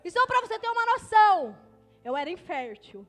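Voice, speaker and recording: A young adult woman, pregnant, preaching in a church, moving from hushed storytelling to loud fervent preaching. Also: extremely high pitch, big pitch swings, brisk, faint music behind. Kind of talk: testimony sermon.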